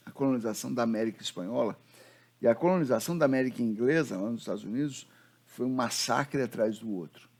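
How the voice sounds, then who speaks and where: A middle-aged man with a Brazilian Portuguese accent, a teacher giving a lively lecture and telling history like a story, with casual slang. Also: medium pitch. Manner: storytelling, acts out quoted speech, casual slang.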